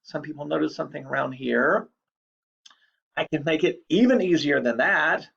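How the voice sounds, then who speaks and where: Gravelly man lecturing, lo-fi. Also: on the high side, fairly bright tone. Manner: chatty, explanatory, repeats key points. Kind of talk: recorded online lecture. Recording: dull lo-fi recording.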